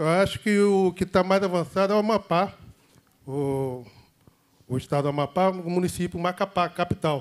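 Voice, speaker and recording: A man with a high pitch talks at a moderate pace with ordinary pitch variation. His speech has long, frequent pauses. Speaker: samba circle organizer. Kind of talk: public hearing speech. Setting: legislative hearing room. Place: meeting room. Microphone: handheld.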